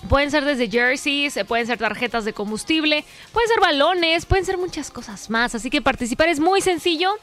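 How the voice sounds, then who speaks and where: A high-pitched woman hosting a radio show, talking in a chatty, playful way full of fillers. She has a mostly neutral Mexican Spanish accent with a slight Yucatecan touch. Faint music plays under her voice in the studio. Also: lively intonation, fairly quick, few pauses, fairly bright tone. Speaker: radio host. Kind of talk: casual radio chat.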